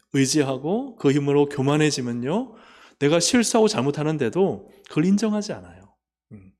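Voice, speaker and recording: Korean pastor preaching in a reverberant hall. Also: male voice, fairly high pitch. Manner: asks the congregation questions and answers them himself; swings between emphatic rises and quiet drops. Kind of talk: sermon. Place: church sanctuary.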